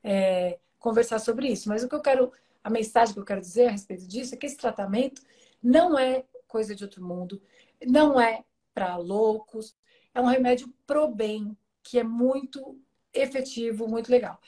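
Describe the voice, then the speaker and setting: A woman's voice: fairly high pitch, normal speed. A Brazilian woman in her forties, a guest talking candidly and with humor in a casual interview. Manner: candid, humorous, lively storytelling. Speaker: guest, author.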